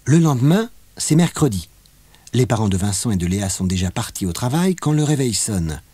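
A man narrating a children's audiobook in an expressive, lively storytelling manner. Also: medium pitch, fairly quick.

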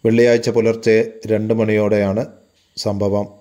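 A man reading a local news report in a steady, formal manner. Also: lowish voice, normal speed. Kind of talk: scripted news narration.

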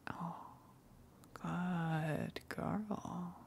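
A woman voicing a friendly eldritch monster in an ASMR roleplay, in a breathy whisper with a halting, coy, gently teasing manner. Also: on the low side, steady tone, a little hiss or hum, full character voice. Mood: teasing, dominant.

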